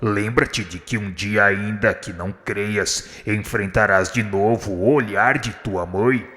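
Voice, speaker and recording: A man's voice: fairly low pitch, slow pace, bright, forceful tone. An actor playing a kindly, humble spiritual instructor, formal and earnest as he pleads in a radio drama. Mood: earnest pleading. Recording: long reverb, music underneath.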